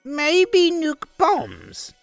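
A woman putting on a scheming male villain in a rhyming holiday storybook, sly and gleeful, his voice leaping wildly up and down in pitch at a slow, deliberate pace. He sounds dry and close, with faint music underneath. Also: wildly swooping pitch, no echo, full character voice. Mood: puzzled.

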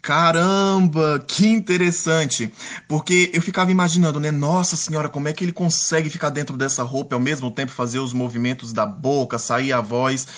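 An enthusiastic man with a slightly high voice hosts an interview. He leads the conversation and reacts with eager exclamations. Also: fairly even intonation, brisk, a bit bright. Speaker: interview host. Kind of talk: interview hosting.

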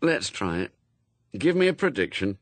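A man's voice: lowish voice, big pitch swings, normal speed, dry recording. A man voicing a hapless, gloomy, awkward man with a hesitant, wordy, apologetic way of talking in a storybook. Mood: weary.

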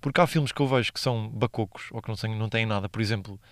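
A man's voice: fairly low pitch, racing, no echo. A young man with a European Portuguese accent hosting a casual solo podcast, slangy and rambling, laughing at his own stories. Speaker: podcast host.

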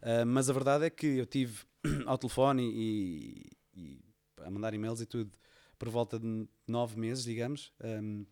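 A man's voice: mid-range voice, measured pace, hardly any pauses, mellow. A man from Portugal with a European Portuguese accent, chatting casually as a podcast guest and telling stories with many fillers and restarts. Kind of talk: casual conversation.

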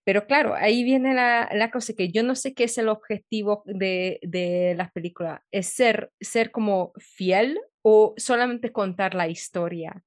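A woman hosting a podcast interview, thinking aloud in a halting way with many restarts. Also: medium pitch, dry recording, studio quality. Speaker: podcast host. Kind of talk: casual interview chat.

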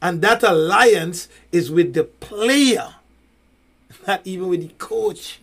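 Emphatic high-voiced man talking soccer. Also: fairly bright tone. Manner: emphatic, builds points with rhetorical questions and long analogies; fills pauses with many "you know"s. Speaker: podcast co-host. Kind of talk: casual podcast discussion.

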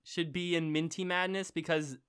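Bright, excitable young man rambling. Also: on the high side, moderate pace, clear, resonant tone. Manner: rambling, filler-heavy, excitable about marble racing. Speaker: podcast co-host reading listener emails. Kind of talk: casual chat.

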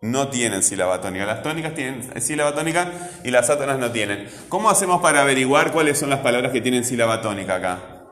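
A man's voice: medium pitch, expressive, quick pace, fairly bright tone. A man teaching a grammar lesson to a class. He asks patient, coaxing questions and sounds out words syllable by syllable. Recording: echoey classroom, roomy reverb.

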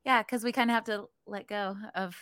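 A woman voice actor on a panel, speaking warmly and gushing about scenes. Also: mid-range voice, steady tone, a little fast, clean tone, no echo, studio quality. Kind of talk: casual panel chat.

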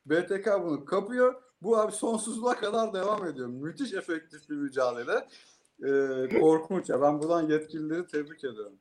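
A man's voice: on the high side, brisk. A man co-hosting a casual talk, speaking colloquially with sarcastic, exasperated commentary. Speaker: co-host.

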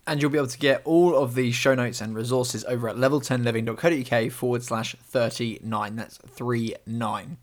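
A man's voice: mid-range voice, steady tone, brisk, hardly any pauses. A man hosting a podcast, introducing his guest and asking questions in an upbeat, enthusiastic way. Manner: upbeat, enthusiastic, laughs often. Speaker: podcast host.

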